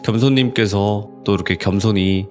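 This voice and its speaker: A man's voice: on the low side, normal speed, darkish tone, soft background music. A man hosting a horror story channel, reacting with enthusiasm to his guest's story. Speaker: host of a horror radio channel. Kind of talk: casual podcast chat.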